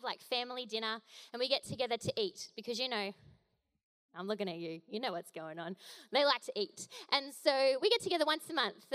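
A woman's voice: on the high side, a bit bright, smooth. Chatty, playful woman preaching. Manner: chatty, playful, jokey asides. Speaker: guest preacher. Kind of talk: casual sermon.

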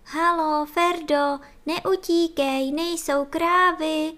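A woman doing fussy high-voiced nurse ants. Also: animated, lightly acted. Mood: calling out.

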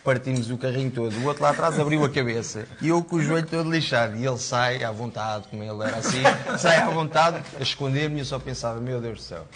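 A former footballer tells a funny story in a relaxed bar chat, his voice sitting in a middle range. The talk is lively and full of asides, with faint background noise. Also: mid-range voice, fast talker, hardly any pauses. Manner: animated, laughing anecdotes. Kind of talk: casual storytelling.

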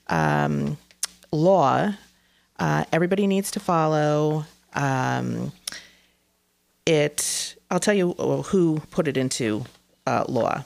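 A woman's voice: deep voice, vocal fry, darkish tone, no echo. A middle-aged woman hosting a real estate show, explaining the rules in a casual way, full of ums and uhs. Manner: many fillers and hesitations.

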